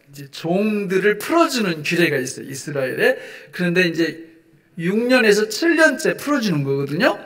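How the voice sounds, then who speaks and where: A male pastor preaching a sermon, asking the congregation questions and answering them himself, and swinging from loud exclamations to hushed asides. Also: sits high.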